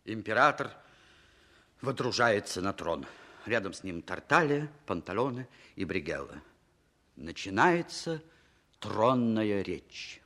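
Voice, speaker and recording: An actor as a mock-solemn, playful narrator of a fairy-tale stage play on a 1960s radio recording. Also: male voice, fairly low pitch, big pitch swings, takes it slowly, bright, forceful tone, full character voice. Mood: wry storytelling. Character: wry male storyteller of a theatrical fairy tale. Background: music.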